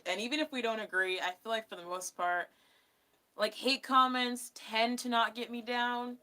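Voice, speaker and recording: A woman's voice: mid-range voice, bright, forceful tone. A young adult American woman hosting a casual live stream, talking in an informal, rambling way. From California, USA. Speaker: livestream host. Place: small decorated bedroom, indoors.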